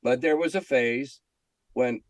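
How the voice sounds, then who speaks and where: A man's voice: medium pitch, a little slow, dry recording. An older American man reminiscing in an interview in a blunt, salty, opinionated way. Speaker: veteran game editor being interviewed.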